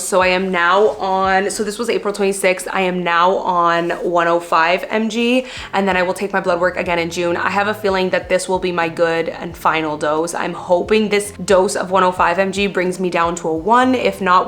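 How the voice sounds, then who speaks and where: A young adult woman from Canada, vlogging casually to camera with a raspy, hoarse voice. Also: fairly low pitch, fairly bright tone. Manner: chatty, lots of filler and quick asides.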